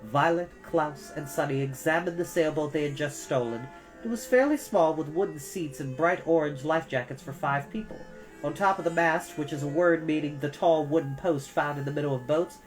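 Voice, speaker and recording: A woman reading a storybook aloud as a storytime host, with expressive, deliberate emphasis on key words. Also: low-pitched, soft background music.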